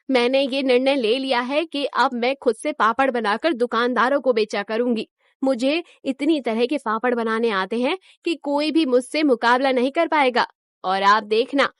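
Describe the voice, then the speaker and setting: A woman's voice: a little high, fairly bright tone, no echo, studio quality, natural voice. A woman voicing a proud, greedy village woman in a cartoon story, who talks in a boastful, indignant way. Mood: defiant.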